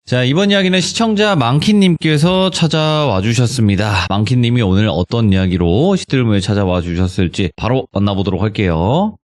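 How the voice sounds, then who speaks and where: A man's voice: mid-range voice, lively intonation, moderate pace, few pauses. A man hosting a horror story show in a conversational style, addressing listeners politely and emphatically.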